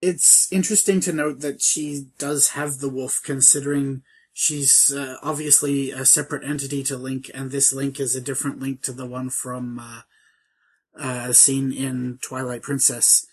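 A man's voice: medium pitch, level tone, husky. A man co-hosting a podcast, chatting casually about a video game with hesitant restarts. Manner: hesitant, many restarts, measured. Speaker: podcast co-host.

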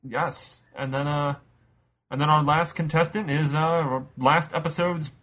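A man's voice: a little high, fairly even intonation, unhurried, fairly bright tone. Guy hosting a goofy quiz on a podcast, lots of uhs, kinda dull lo-fi sound. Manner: rambling, many uh fillers, loose explaining. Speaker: quiz show host. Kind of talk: casual podcast game show.

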